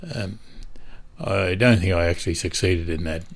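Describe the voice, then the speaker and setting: With an Australian accent, a somewhat breathy voice moves at a moderate pace amid audible room echo. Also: man. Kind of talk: interview.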